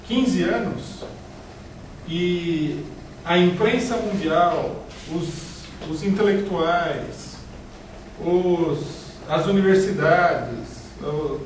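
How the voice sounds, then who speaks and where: A man in his forties with a Brazilian Portuguese accent lectures in a measured, halting way, often pausing and restarting his sentences. His voice sits fairly high for a man. He is recorded from a distance in a small, echoey room with a steady noise underneath. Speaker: party leader giving a lecture. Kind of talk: political lecture. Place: small meeting room indoors.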